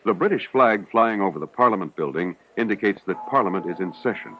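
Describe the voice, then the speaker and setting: A man reading scripted narration for an educational film in a measured, formal, explanatory way. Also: low-pitched, lively intonation. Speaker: documentary narrator. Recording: dull, hissy 1970s educational film soundtrack.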